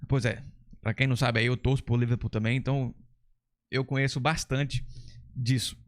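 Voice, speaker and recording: Chatty Brazilian teacher explaining accents. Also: male voice, mid-range voice, level tone, moderate pace. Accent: Brazilian Portuguese. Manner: chatty, enthusiastic, explains step by step. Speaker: English teacher and channel host. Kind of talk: casual explanatory lesson.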